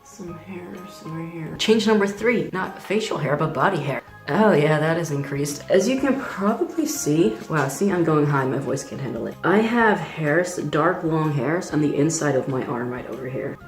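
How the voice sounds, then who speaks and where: A man's voice: a little high, animated, normal speed, few pauses, echoey room, soft background music. A young trans man talking candidly in a casual video diary, chatty and full of "like" fillers. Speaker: vlogger.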